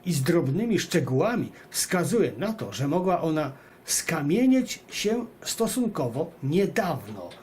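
A man's voice: fairly high pitch, a little mellow, a little hiss or hum. A man hosting, reading an article aloud and adding emphatic, rhetorical comments addressed straight to viewers. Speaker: video host and narrator.

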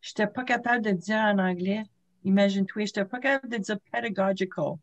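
Middle-aged Franco-Ontarian woman, anecdotal panel talk, home-office video call, middle pitch. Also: a little fast, dull audio. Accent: Franco-Ontarian French. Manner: storytelling, warm laughs. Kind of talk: casual video-call discussion.

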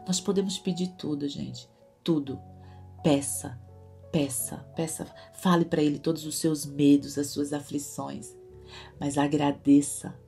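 Low gravelly woman, devotional talk. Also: steady tone, unhurried. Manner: earnest, repeats words for emphasis. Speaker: Christian women's devotional host. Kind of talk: devotional teaching. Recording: soft guitar music behind.

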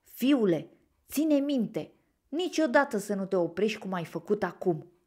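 A woman's voice: medium pitch, sing-song, warm tone. A woman voicing a stern great stag, the forest's prince and a strict father. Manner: firm, measured commands.

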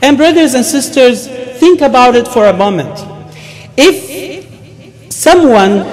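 A man in his thirties with an Arabic accent preaches as an imam, emphatic and halting, repeating words as he goes. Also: very high-pitched, rough recording. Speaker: imam giving a Friday sermon. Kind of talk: sermon with Arabic recitation and English explanation. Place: mosque, speaking from a wooden pulpit.

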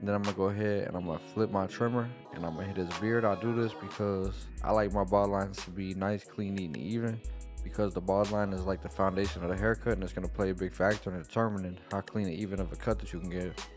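A young man, a barber, giving a laid-back tutorial voice-over from a small dim room at home, speaking into a boom-arm studio mic. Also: steady tone, quick pace. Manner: laid-back, plain instructional talk. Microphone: studio microphone on boom arm. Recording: faint guitar music underneath. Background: faint guitar music.

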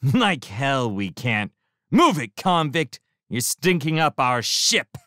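A man's voice: very deep voice, slow, breathy edge, no echo, studio quality, pitched below the performer's own voice, exaggerated voice. A man voicing a short, hostile ship crewman who snaps and sneers. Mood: snapping. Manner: snapping, sneering.

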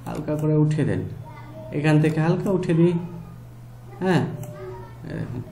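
A man with a fairly high voice and a Bengali accent talks through a screen-recorded software tutorial. He goes step by step, slowly, with frequent "ah" fillers. The room sounds echoey around him. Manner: slow step-by-step instructions, fillers. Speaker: tutorial host.

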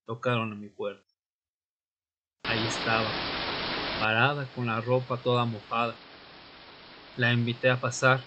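A man playing a brooding vampire, once a history student, in a radio drama, speaking solemnly in short, deliberate phrases. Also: medium pitch, a bit bright, slight background noise, close to an everyday voice, rough recording. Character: brooding male vampire, former history student, seeking answers. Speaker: narrator and lead actor. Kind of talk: audio drama narration and dialogue. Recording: music bed under the voice.

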